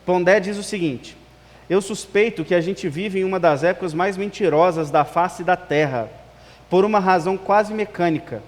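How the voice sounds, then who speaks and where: A man's voice: sits high, normal speed. A male pastor with a Minas Gerais Brazilian accent, preaching to a congregation in a conversational manner. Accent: Minas Gerais Brazilian Portuguese. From Espírito Santo, Brazil. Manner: conversational, rhetorical questions, tag "né". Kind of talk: sermon to a congregation. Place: church service, amplified hall. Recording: reverberant hall.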